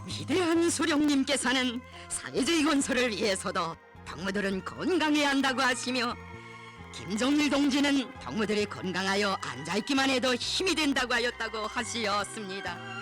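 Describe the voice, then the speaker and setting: High-pitched North Korean male propaganda narrator. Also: expressive, moderate pace. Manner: reverent, solemn, emotive declamation. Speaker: documentary narrator. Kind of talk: scripted propaganda film narration. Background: music.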